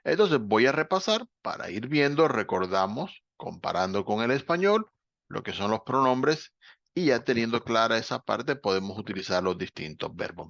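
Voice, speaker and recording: A man's voice: on the low side, creaky, a bit bright, no echo. A man teaching an English grammar class, explaining patiently and checking in with his students. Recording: dull, dry lo-fi recording.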